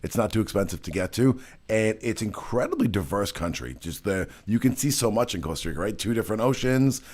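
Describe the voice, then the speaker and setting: A fairly low-pitched American man hosts a casual interview chat. He talks in a loose, rambling way and drops the odd curse word. He sounds like a man in his thirties. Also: expressive, brisk, a little mellow. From United States. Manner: loose and chatty, swears casually. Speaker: podcast host.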